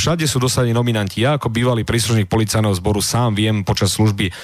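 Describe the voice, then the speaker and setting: In a very clean recording with a silent background, a man talks at a very fast pace. His voice is fairly low, with ordinary pitch variation. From Slovakia, Ilava. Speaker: small-party coordinator, former policeman. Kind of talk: studio panel discussion. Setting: studio.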